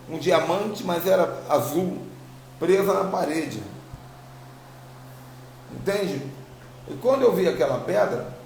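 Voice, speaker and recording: Emphatic and informal, a Brazilian apostle and religious teacher relates a spiritual testimony to his online followers and keeps repeating phrases. His slightly high, gravelly, creaky voice has a darkish tone and a mild tongue-tie. The recording is echoey, with faint noise in the background.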